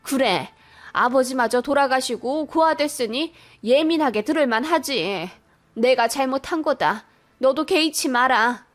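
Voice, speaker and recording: A woman voicing a scheming older mother-in-law who talks down loudly in a radio story. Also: high voice, expressive, a little slow. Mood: self-pitying. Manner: loud, wheedling, talks down.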